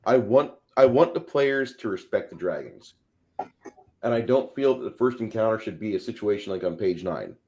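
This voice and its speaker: A man's voice: on the low side, animated, moderate pace, a little mellow. A man speaking as a podcast co-host and game master, emphatic and profane, telling vivid stories in a casual panel talk.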